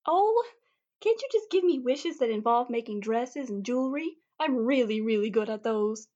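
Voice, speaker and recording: A woman's voice: fairly high pitch, expressive, normal speed, warm tone, dull audio, close to an everyday voice. A woman playing a naive, bubbly young wishing star with a ditzy, girlish manner in a fantasy comedy audio drama. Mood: pleading, bubbly.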